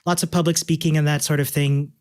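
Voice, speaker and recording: A man's voice: a little high, little pitch movement, fast talker. A man from Chile, a guest on a podcast, chatting in an upbeat way and laughing often. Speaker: guest, developer relations engineer. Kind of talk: casual interview chat.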